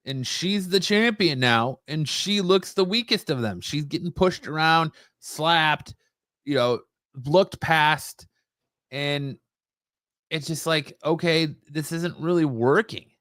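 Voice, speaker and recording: A man's voice: on the high side, slow pace, a bit bright, dry recording, clean studio sound. A man co-hosting a podcast in a casual sports discussion. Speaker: wrestling podcast co-host.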